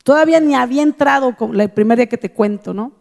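A woman pastor shares her testimony from the pulpit, telling it earnestly and repeating key phrases for weight. Her voice is mellow and dark in tone. The sound carries a long reverb, as in a large hall. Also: a little high, fast talker, creaky. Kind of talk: testimony in a sermon.

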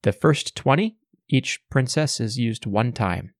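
Gravelly man hosting a casual quiz. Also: mid-range voice, animated, a little slow, dry recording, studio quality. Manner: easygoing, guiding the players. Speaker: quiz host. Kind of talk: casual game chat.

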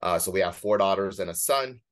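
A man in his thirties with a very low-pitched voice tells his own story in casual conversation. He is matter-of-fact and dryly self-deprecating, like a guest laying out his career path. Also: brisk, a bit bright. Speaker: guest, former corporate lawyer.

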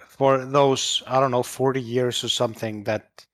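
Man, casual podcast chat, mid pitch, relaxed but argumentative, dry sound. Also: unhurried, no room sound.

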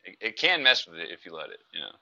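A man's voice: deep voice, huge pitch swings, fast, creaky, bright, forceful tone, dry recording. A man in his late thirties talking emphatically in a casual podcast chat, peppering his lines with "dude" and "man.". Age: late 30s.

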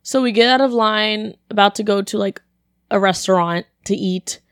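A young woman, a college student, telling a story in casual chat, her voice deeper than usual and a bit congested, with lots of "like" and acted-out quotes. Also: moderate pace, smooth, no room sound, studio quality. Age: young adult. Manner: chatty, animated, lots of "like", acts out quotes.

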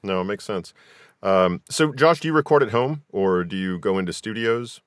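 Very deep-voiced male podcast host, dry sound. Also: normal speed, dry recording. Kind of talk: conversational interview.

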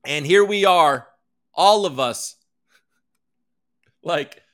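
A man's voice: on the high side, drawn-out words, fairly bright tone. A man hosting a crypto news livestream, chatting casually in a rambling, self-deprecating way and swearing freely. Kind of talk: casual chat.

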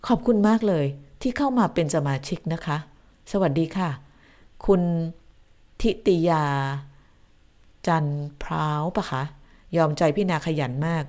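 A woman hosts a live stream from her home, with a voice that sits a little low. She moves from summing up the news to easy, chatty talk with her viewers, greeting and thanking them by name. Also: expressive, a little slow, darkish tone.

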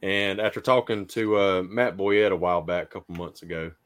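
A man's voice: sits low, steady tone, a little fast, fairly bright tone, smooth. A man with an American accent hosting a casual podcast chat. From United States. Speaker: podcast host.

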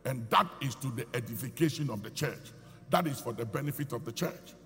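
A man preaches an emphatic sermon at a fairly quick clip, his gravelly, bright voice pitched a little high. His words echo through a large hall with long reverb.

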